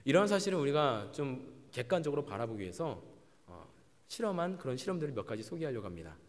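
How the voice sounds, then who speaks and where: Animated male pastor in a reverberant hall. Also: fast talker. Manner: animated, acts out quoted voices with big pitch swings. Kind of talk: sermon.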